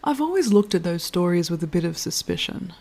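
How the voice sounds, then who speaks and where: A woman playing a reflective, literate storyteller in a scripted audio drama, musing in a measured, thoughtful way. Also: lowish voice, very animated, vocal fry, a little mellow, full character voice.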